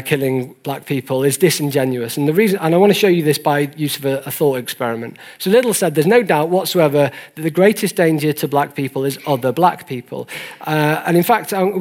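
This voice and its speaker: A man with a fairly high voice speaks as a lecturer. He explains statistics in an earnest, didactic manner. Key points get emphatic stress. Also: darkish tone. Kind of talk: explanatory presentation of statistics to an audience.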